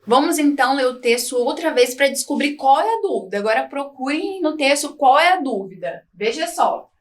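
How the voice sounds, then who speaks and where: Woman teacher w a high voice, explains slow n clear, keeps asking the class stuff. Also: lively intonation. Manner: slow, clear, didactic reading with questions to students. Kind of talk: recorded classroom lesson.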